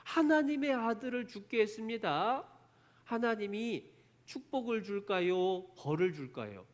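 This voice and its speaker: In an online Bible lesson for children, a man with an expressive, unhurried voice keeps asking the kids questions and answering them himself. He tells the story with heavy emphasis and big swings in pitch.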